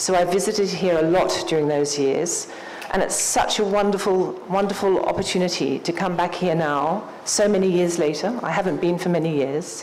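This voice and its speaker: A woman's fairly low voice with an Australian accent, at a moderate pace, with fairly even intonation and very even loudness, amid noticeable background noise and audible room echo. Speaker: gallery director. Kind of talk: lecture.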